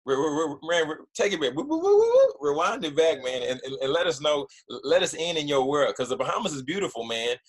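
Energetic stammering male podcast host. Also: a little high, fast talker, hardly any pauses. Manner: energetic, stammers and repeats words, hype-man. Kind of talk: casual podcast interview. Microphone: video call.

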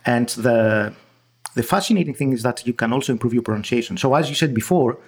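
Husky Greek-accented man explaining. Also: mid-range voice, lively intonation, fast talker. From Greece. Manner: hesitant, many restarts and fillers. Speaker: guest researcher. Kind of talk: interview.

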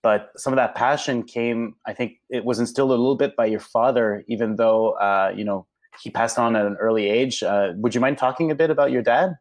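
A man's voice: medium pitch, steady tone, a little fast. A man hosting a podcast, reading a scripted introduction and then asking friendly questions with frequent restarts. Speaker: podcast host.

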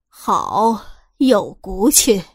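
A woman's voice: mid-range voice, sing-song, very slow, slightly rough, no room sound, clean studio sound, pitched below the performer's own voice, exaggerated voice. A woman voicing a cold, menacing man who sneers and threatens, in an audio story. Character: cold, menacing middle-aged man with a shotgun.

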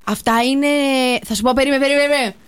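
A woman co-hosting a radio morning show in the studio, playful and quick with guesses in casual chat. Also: high-pitched, clear, resonant tone. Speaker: radio co-host.

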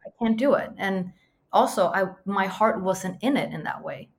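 A woman's voice: medium pitch, animated, normal speed, creaky, a little hiss or hum. A woman from Sweden with a light Swedish accent under a mostly American sound, speaking earnestly and reflectively as a podcast guest. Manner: earnest, reflective, emphatic repetitions. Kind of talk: conversational interview.

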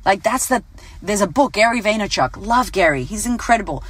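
A woman's voice: mid-range voice, fairly quick, slightly rough, dry recording. Blunt, swearing woman in her thirties. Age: 30s. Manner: blunt, swears freely, animated. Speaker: business coach and podcast host. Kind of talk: casual motivational monologue.

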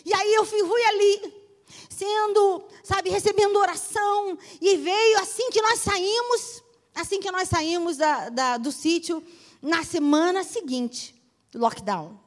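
Middle-aged Brazilian woman pastor, very high pitch, emphatic and repetitive sermon delivery. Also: unhurried. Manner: emphatic preaching, repeats phrases, swings from loud to soft.

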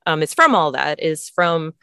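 Smooth, low-voiced Southern-raised woman. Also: very animated, moderate pace, pushed and bright, no echo, clean studio sound. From American South. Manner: hesitant, restarts often. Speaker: author guest. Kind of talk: casual interview chat.

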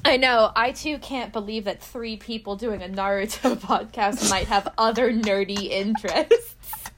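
A woman's voice: mid-range voice, unhurried, fairly bright tone, a little hiss or hum. A woman co-hosting a casual podcast, recapping episodes with playful, laughing asides. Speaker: podcast co-host.

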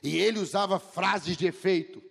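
A man's voice: high-pitched, normal speed, creaky. A middle-aged man with a Brazilian Portuguese accent preaching a sermon, telling humorous stories and acting out the people he quotes. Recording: long reverb of a large hall.

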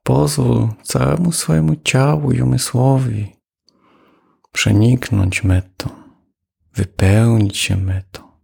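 A man guiding a loving-kindness meditation, speaking calmly with long pauses. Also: medium pitch, vocal fry, breathy edge. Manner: slow, calm, with long pauses. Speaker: meditation teacher. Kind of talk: guided metta meditation.

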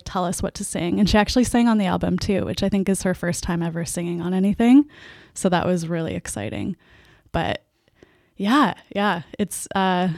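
A soft-spoken Canadian woman, a band's singer and guitarist, answering interview questions with a hesitant, laughing way of talking. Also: on the low side, gravelly, no room sound, studio quality. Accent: Canadian English. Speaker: band's lead vocalist and guitarist.

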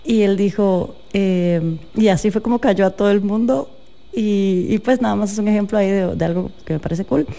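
A young woman with a Guatemalan Spanish accent talks as an interview guest, her tone mellow and warm. She tells her stories in an unhurried, thoughtful way, pausing and hedging now and then as she works out what to say. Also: mid-range voice, creaky. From Guatemala City. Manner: thoughtful, storytelling with hesitations. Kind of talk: casual conversational interview.

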